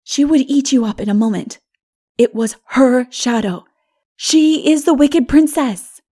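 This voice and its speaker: Lady doing a scared earnest little boy from a storybook, really high voice, halting and innocent. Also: warm tone. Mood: wary insistence. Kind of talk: dramatic audiobook character reading.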